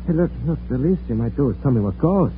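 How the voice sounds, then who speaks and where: A man's voice: mid-range voice, lively intonation, fast, slight background noise, natural voice. Man as hapless wise guy, tinny radio sound. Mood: nervous, flustered. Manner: slangy, put-upon, colorful streetwise storytelling. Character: hapless, nervous small-time wise guy telling his tale. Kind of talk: old-time radio comedy crime drama acting. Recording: tinny old radio recording.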